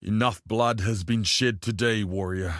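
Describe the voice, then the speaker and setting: An actor playing a proud, fierce, honour-bound tribal warrior in a video game, with a solemn, declamatory delivery. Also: male voice, on the low side, steady tone, unhurried, no echo, studio quality, close to an everyday voice. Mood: weary, solemn. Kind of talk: video game character voice lines.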